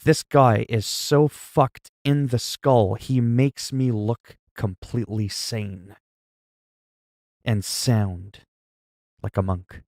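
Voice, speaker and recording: A man hosting a livestream, chatting loudly in a mock-stern, profane way with quick swings in volume. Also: medium pitch, steady tone, no room sound, clean studio sound. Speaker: livestream host. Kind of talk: casual livestream chat.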